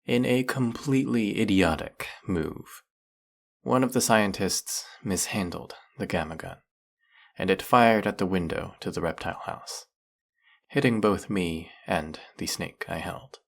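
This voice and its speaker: A man voicing a deep, creaky snake-man villain. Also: exaggerated voice. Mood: bitter storytelling. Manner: formal, measured, soft-spoken. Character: soft-spoken snake-headed male villain, formal and gentle. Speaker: villain in listener roleplay. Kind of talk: audio roleplay acting.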